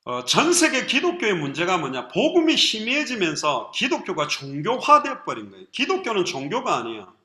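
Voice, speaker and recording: A man preaching a sermon as pastor, animated and lively. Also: high-pitched, normal speed, hardly any pauses, echoey room. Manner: lively preaching with acted quotes.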